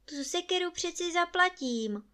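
A clever young lad, voiced by a woman reading a fairy tale, speaking high and eager. He coaxes and pleads earnestly, with a youthful lift in every line. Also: expressive, fairly bright tone. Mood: pleading. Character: clever, eager young boy, the woodcutter's son.

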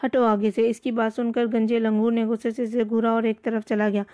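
A woman storyteller giving a steady, even scripted storybook narration. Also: fairly high pitch. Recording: dull lo-fi recording.

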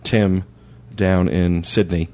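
A male podcast host with a very low voice, talking in an easygoing, chatty way. He restarts his sentences now and then as he reads out voicemails. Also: slow pace. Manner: relaxed, chatty, stumbling restarts. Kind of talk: casual podcast chat.

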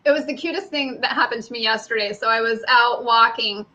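A woman's voice: on the high side, fairly quick, bright, forceful tone. A woman co-hosting a casual chat, upbeat and laughing easily as she reads viewer comments. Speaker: co-host reading viewer comments. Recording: dull lo-fi audio.

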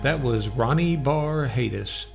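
A man's voice: medium pitch, animated, slow, vocal fry, a little mellow, soft background music. A man hosting a radio show, presenting and partly reading from notes in an informal way.

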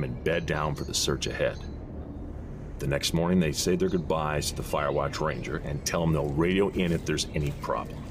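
An actor playing a gruff, pious deputy marshal in an audio drama, talking in a dry, folksy, deliberate storyteller's way. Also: male voice, very deep voice, background noise.

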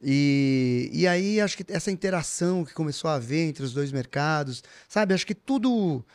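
A man's voice: fairly high pitch, animated, moderate pace, darkish tone. A man, chatting casually about his work as a voice actor. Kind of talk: casual chat.

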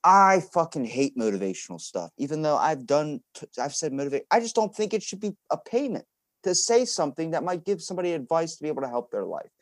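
A man hosting a casual interview podcast, rambling freely, swearing often and getting animated when he rants. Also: on the high side, quick pace, no echo. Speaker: podcast host.

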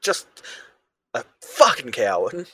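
A man's voice: mid-range voice, huge pitch swings, slow, a bit bright, slightly rough. A man co-hosting a casual podcast chat, rambling, swearing freely and laughing often. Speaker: podcast co-host.

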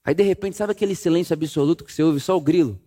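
A man preaching a sermon, telling the story dramatically, dropping to a hush and rising again as he acts out scenes. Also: a little high, racing. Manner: dramatic storytelling, acting out scenes with hushed and raised voice.

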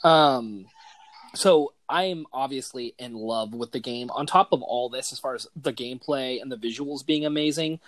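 Excitable man gushing in casual chat. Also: mid-range voice, moderate pace, no room sound. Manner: excitable and enthusiastic, heavy slang. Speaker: podcast host. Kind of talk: casual gaming podcast chat.

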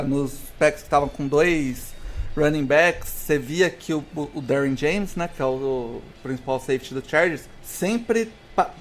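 A man with a Brazilian Portuguese accent chatting casually about sports as a podcast panelist. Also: a little high. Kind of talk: casual chat about American football.

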